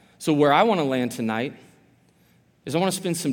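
An animated man with an American accent, lively intonation, and audible room echo. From Quincy, Illinois, US Midwest. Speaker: church staff, guest speaker. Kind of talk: sermon. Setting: church service with audience.

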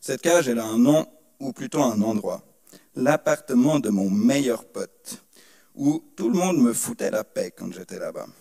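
A man's medium-pitched, dark, mellow voice with lively intonation at a fairly slow pace, in a dry, close sound with no echo. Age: 20s. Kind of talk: testimony.

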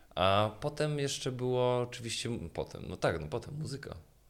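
A man talks at a moderate pace. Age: 20s. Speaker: podcast interviewer. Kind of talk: casual interview.

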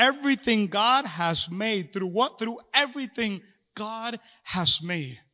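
Raising and projecting his voice, a man speaks at a very slow pace in a high pitch with a bright, sharp tone. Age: 40s. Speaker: pastor. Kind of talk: sermon. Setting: church. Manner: animated.

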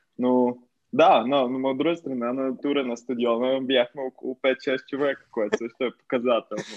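A man talks in an ordinary speaking voice at medium pitch. His pace is moderate and his intonation fairly even. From Bulgaria, Sofia. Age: 20s. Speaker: football podcast co-host, student. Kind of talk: casual chat.

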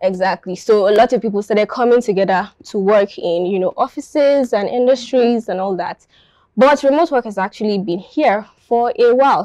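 A woman speaks at a fairly quick pace in a dark, mellow tone with ordinary pitch variation, the sound dry and close without echo. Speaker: podcast host. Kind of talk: casual chat. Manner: animated.

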